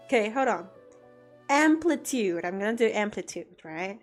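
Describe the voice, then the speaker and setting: A woman's voice: fairly high pitch, animated, slow, soft background music. A woman chatting casually with her livestream audience, talkative and given to mock-dramatic outbursts. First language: English. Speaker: art streamer answering chat.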